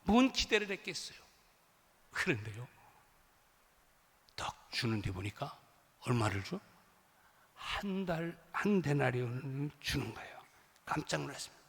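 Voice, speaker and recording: A male pastor preaching a sermon in a church, telling the story with animated swings from hushed to loud, with a long hall reverb. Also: medium pitch, unhurried, vocal fry, long pauses, slightly rough. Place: church sanctuary.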